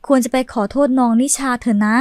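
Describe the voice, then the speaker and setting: High-voiced woman reading comments. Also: fairly even intonation, a little fast, darkish tone, no room sound. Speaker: channel host. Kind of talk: reading viewer comments aloud.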